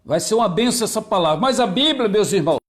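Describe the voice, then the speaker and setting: A male pastor preaching a sermon, repeating key phrases and greeting viewers by name between points. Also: lively intonation. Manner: slows and drops low on key phrases, repeats them.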